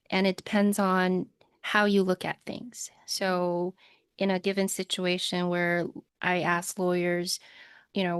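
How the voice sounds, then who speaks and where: Measured, lower-voiced woman from Taiwan. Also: clean tone, dry recording, clean studio sound. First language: Mandarin Chinese. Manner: measured and explanatory, light laughs. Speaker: guest, legal recruiter. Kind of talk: interview answers.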